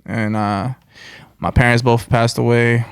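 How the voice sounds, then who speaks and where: A man's voice: medium pitch, level tone, measured pace, gravelly, clean tone, no room sound, studio quality. An American man talking casually in slang as a musician guest in an interview. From United States.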